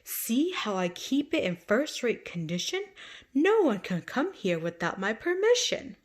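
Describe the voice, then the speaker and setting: A woman voicing a proud male gardener who boasts loudly that the garden is his alone. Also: a little high, sing-song, unhurried. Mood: boastful. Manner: loud, boastful.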